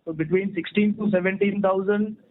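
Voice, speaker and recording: A man with an Indian accent answering analysts as a company executive on an earnings call, in formal, measured explanations. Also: high-pitched, fairly even intonation. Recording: tinny phone-line conference call.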